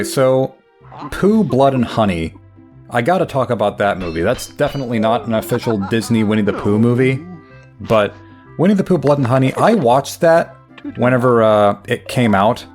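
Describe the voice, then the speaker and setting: Man, young adult, let's play commentary, rambling, wry, self-deprecating, fairly low voice. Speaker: gameplay commentator.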